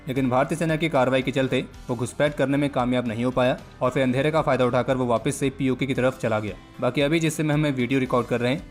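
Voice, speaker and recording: A man delivering a scripted defence news roundup at a rapid clip, his voice sitting at an ordinary middle pitch. Soft music plays faintly beneath his voice throughout.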